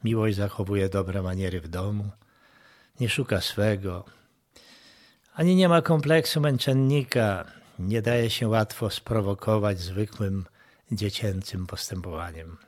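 A man reading a devotional text in a measured way, with some passages dropped to a hush. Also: fairly low pitch.

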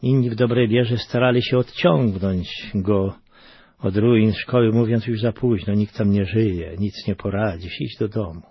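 A man reading a moving story aloud, earnest and emotional, swelling in dramatic moments and dropping to a hush. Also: fairly low pitch, a little slow, slightly rough, dry recording. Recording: dull, muffled sound.

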